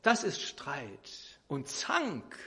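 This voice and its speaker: A man's voice: fairly high pitch, huge pitch swings, drawn-out words, bright, forceful tone. A man preaching a sermon who illustrates his point with an everyday story and acts out the people in it.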